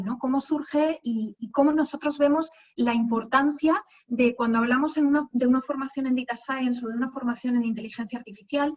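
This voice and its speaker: Over a video call, a guest speaker with a Madrid Spanish accent gives a chatty webinar talk, often restarting and using fillers. She's on the high side with a darkish tone, and the highs are cut off.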